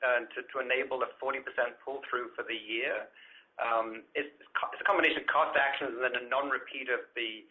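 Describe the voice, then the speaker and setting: Fast-talking finance executive man. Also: mid-range voice, steady tone. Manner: quick, repeats words as he restarts. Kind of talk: earnings call answers. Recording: tinny phone line.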